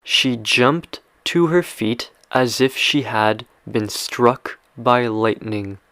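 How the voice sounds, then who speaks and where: Very slow, clear-voiced male teacher. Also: medium pitch, bright, forceful tone, dry recording. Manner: deliberate, repeats and quizzes the listener. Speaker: French language teacher. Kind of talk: slow question-and-answer reading lesson.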